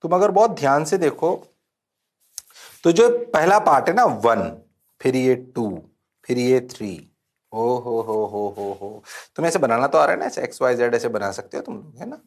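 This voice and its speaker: A man teaching physics in an animated, playful exam-prep lecture, who teases his students and answers for them in a low mumble. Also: moderate pace. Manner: playful, teasing, sings out exclamations; mimics students' replies in a low voice.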